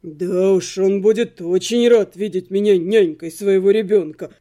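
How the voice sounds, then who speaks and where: A woman's voice: medium pitch, steady tone, unhurried, warm tone, voice pushed down, lightly acted. A woman voicing an old male half-gnome chaperone who speaks with drawling, mock-tearful sarcasm.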